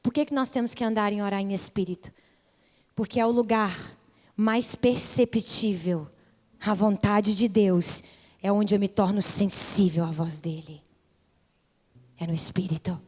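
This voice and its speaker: A woman's voice: medium pitch, measured pace, pauses often, a little mellow, big-room sound. A young woman pastor preaching a sermon with impassioned, rising repeated calls.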